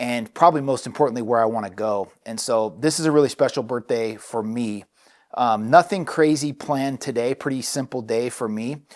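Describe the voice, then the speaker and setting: A man speaks at a fairly quick pace in a normal speaking voice, medium in pitch, on a very clean recording with a silent background. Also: ordinary pitch variation. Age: 40s. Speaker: vlogger and executive coach. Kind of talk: casual vlog monologue. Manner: relaxed, conversational.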